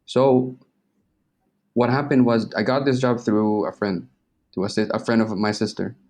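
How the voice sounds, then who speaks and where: A man's voice: medium pitch, level tone, normal speed, darkish tone. A man in his twenties from the United Arab Emirates chatting casually as an interview guest, with informal, slangy talk and some swearing. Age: 20s.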